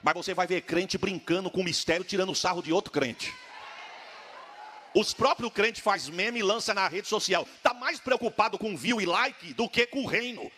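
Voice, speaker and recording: A man preaching a sermon in a high, bright, forceful voice. He is earnest and rebuking and rises to shouts at the peaks. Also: normal speed, a little hiss or hum. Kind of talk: sermon exhortation.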